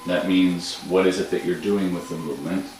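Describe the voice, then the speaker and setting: A man in his thirties serenely guiding tai chi movement and breathing in short, calm instructional phrases with pauses. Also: low-pitched. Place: indoor home room with hard floor. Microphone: distant camera microphone across the room. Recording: echoey room from far off, music behind.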